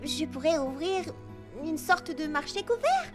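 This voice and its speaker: A kind, upbeat little cartoon heroine, speaking politely and encouragingly in French dub style. The voice is very high and girlish, over clear background music. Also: sing-song, a little slow. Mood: earnest. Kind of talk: French animated children's dub. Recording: background music under dialogue.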